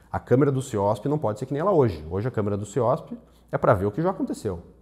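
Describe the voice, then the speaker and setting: A man with medium pitch and vocal fry speaks at a very fast pace. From southern Brazil, Santa Maria (Rio Grande do Sul); Rio Grande do Sul, Brazil. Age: 20s. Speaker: mayoral candidate, lawyer and former state legislator; candidate. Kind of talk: political interview. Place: studio. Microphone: lapel.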